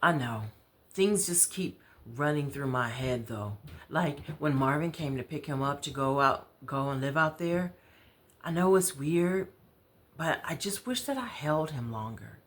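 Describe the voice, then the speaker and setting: A woman's voice: low voice, animated. Woman acting out a troubled American mother venting. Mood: sad, guilty. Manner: halting, venting, conversational. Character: troubled, proud mother confiding in a friend.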